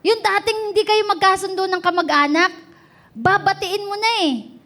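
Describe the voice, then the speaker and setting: A woman pastor with a Filipino accent preaching a sermon in a church service, asking the congregation frequent rhetorical questions and slowing down to stress key words. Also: very high voice, sharp tone. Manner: preaching with rhetorical questions, switching between Tagalog and English.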